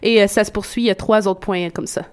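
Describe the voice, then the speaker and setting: A woman's voice: medium pitch, little pitch movement, fast talker. A woman giving a radio segment, explaining facts step by step in a conversational way. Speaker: radio columnist.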